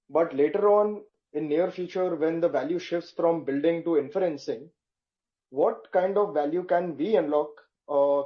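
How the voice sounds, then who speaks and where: A man with an Indian accent politely and deferentially asking a question as a caller on a conference call. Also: fairly high pitch. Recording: dull, band-limited phone call.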